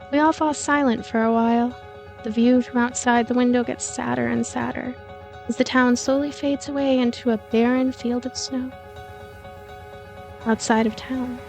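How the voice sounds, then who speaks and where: High-voiced woman narrating a game. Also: vocal fry, darkish tone. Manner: reads story aloud in character. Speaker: let's play narrator. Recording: music behind the voice. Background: background music.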